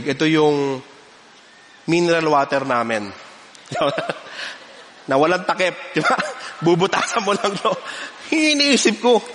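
A high-voiced man preaches a sermon, telling a story from his own life in an animated way. He laughs often as he speaks. His voice rings out through a large hall that carries a long reverb.

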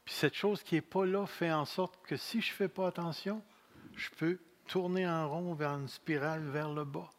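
A man in his sixties with a Québécois accent, preaching a sermon as pastor. He speaks deliberately, repeats key phrases and jokes about himself. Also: fairly high pitch, fairly even intonation. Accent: Québécois French. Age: 60s. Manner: slow, deliberate preaching with repeated phrases and self-mocking humor.

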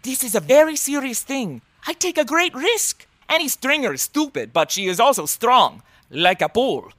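A woman's voice: on the high side, sing-song, normal speed, a bit bright, no room sound. Actress as secretive Spanish-accented female informant. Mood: grave. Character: secretive, scheming, self-important female informant in noir. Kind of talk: comedic noir audio drama.

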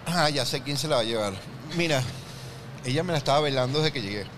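A man's voice: medium pitch, animated, quick pace, noisy background. A young man with a Venezuelan accent, a podcast guest speaking candidly with a joking edge. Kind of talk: casual interview chat.

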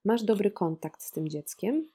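A woman's voice: mid-range voice, very animated, moderate pace, mellow, slightly rough, pitched above the performer's own voice. A woman reading the lines of a stern, judgmental older male professor in a book discussion. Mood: judging.

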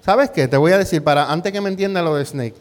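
Male pastor, middle-aged, slightly high voice; conversational sermon full of rhetorical questions and Spanglish asides. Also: quick pace. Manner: peppers talk with rhetorical questions and "¿verdad?"; drops English words into Spanish. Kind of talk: conversational sermon with personal story.

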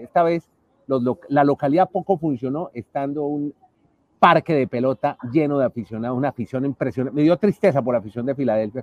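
A man's voice: medium pitch, no echo. A man hosting a sports podcast in a casual, joking way, calling in from a restaurant terrace next to a busy avenue. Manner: chatty, jokey, self-interrupting. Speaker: podcast host. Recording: dull lo-fi sound, faint music.

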